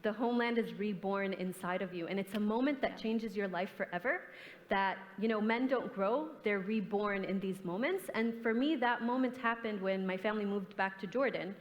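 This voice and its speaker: Heard through a stage microphone with reverb from a large conference hall, a young woman artist raised in the US and Canada speaks at normal speed with a medium-pitched voice. Her panel answer is earnest and reflective, delivered with passion.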